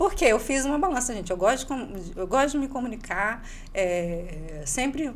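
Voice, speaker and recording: A fairly high-pitched woman at a moderate pace, with audible room echo. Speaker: journalist, podcast host. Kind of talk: casual interview chat. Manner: talkative.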